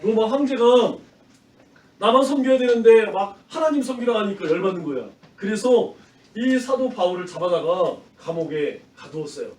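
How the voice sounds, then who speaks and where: A high-pitched male pastor gives a lively children's sermon, throwing questions at the kids and acting out the shouts of angry crowds. He stands some distance from the microphone, so his voice rings through a roomy church sanctuary. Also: moderate pace. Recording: roomy echo from off-mic.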